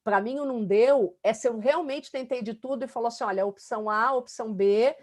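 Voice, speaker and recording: A woman's voice: on the high side, brisk. A middle-aged woman talking in a casual interview, emphatic and talkative, with many fillers. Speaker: student being coached.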